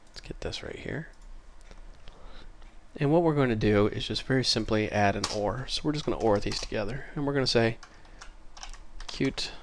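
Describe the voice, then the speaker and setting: Still a little congested from a cold, a man leads a screen-recorded programming tutorial in a gravelly voice that sits on the low side. His delivery is relaxed and apologetic, and he often corrects himself.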